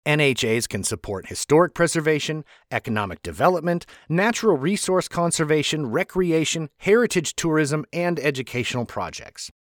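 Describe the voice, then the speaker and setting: A man's voice: a little high, lively intonation, moderate pace, few pauses, no room sound, studio quality. A man hosting a podcast, reading a history narration with chatty asides. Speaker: podcast host and author.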